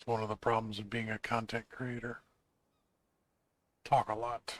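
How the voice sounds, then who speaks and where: A man with a slightly hoarse voice, chatting casually while playing a survival video game. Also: on the low side, completely flat delivery, normal speed, dry recording. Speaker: gaming channel host. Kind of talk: casual let's-play commentary.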